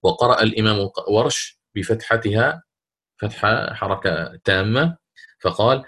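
Man teaching recitation, slow and methodical. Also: fairly low pitch, bright, forceful tone. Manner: explanatory, checks understanding with questions; recites verses slowly and drawn out. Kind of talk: online lesson explanation.

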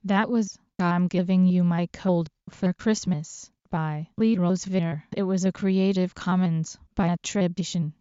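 A woman announcing a music podcast, reading the episode and track details in an even, scripted way. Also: fairly low pitch, clear, resonant tone, no echo. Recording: dull, dry lo-fi sound.

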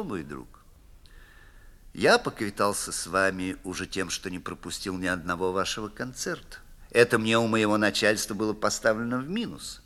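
A man's voice: on the low side, gravelly, pushed and bright, exaggerated voice. A man voicing the devil disguised as a grey notary, dry, courteous and mocking. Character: sly polite male devil posing as notary.

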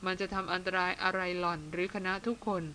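A woman narrating a novel aloud in a steady, measured storytelling manner. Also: on the low side, slight background noise. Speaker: audiobook narrator. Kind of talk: dramatic novel reading.

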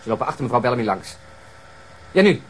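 An actor playing a blunt, sardonic police detective in a Dutch radio drama. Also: male voice, medium pitch, sing-song, quick pace, slight background noise, lightly acted. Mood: wry, brisk. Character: sardonic male police detective commenting on evidence film.

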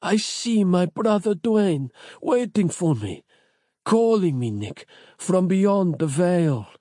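A man voicing the dying severed head of a gruff male cop, croaking and gasping for breath as he speaks. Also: high voice, very animated, slow pace, warm tone, dry recording, clean studio sound, voice pushed up, heavily acted. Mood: fading.

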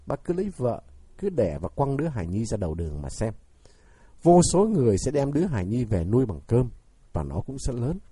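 A man reading a story plays a defiant young man who needles his father with sarcastic questions, in a husky voice. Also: mid-range voice, very animated, a little fast, dark tone, no echo. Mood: bitter mocking.

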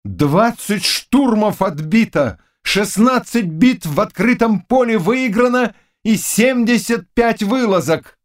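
A man voicing an exhausted young hussar knight who answers in short, halting words. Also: medium pitch, animated, a little mellow. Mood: proud. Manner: weak, halting, terse answers.

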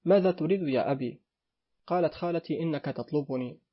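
A man voicing a sly little girl who begs her father for forgiveness, in a husky voice. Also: a little high, fast talker. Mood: innocent. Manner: pleading, childlike. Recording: dull lo-fi recording.

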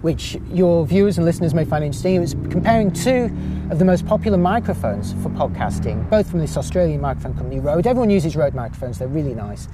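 Man, high tenor voice, chatty podcast guest, self-mocking, light street noise behind. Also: animated, fast. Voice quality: high-pitched voice. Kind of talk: casual chat.

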